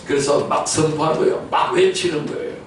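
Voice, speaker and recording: A man's voice: fairly high pitch, steady tone, brisk. Male pastor preaching in an echoey church. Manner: emphatic preaching with questions to the congregation; rhetorical repetition and sudden loud outbursts. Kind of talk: sermon. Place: church sanctuary. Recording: echoey church from a distance, faint noise.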